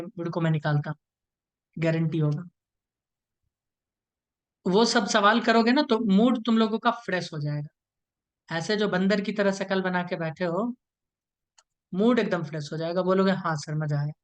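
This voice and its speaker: A man with a high voice teaches an online class at a moderate pace, pausing often, and the audio sounds dull. His explanation moves step by step in a playful, teasing manner, with frequent "right?" checks on whether students are following.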